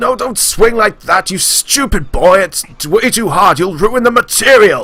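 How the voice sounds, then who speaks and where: Putting on a character voice, a man speaks loudly at a high pitch and a moderate pace. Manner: harsh, berating.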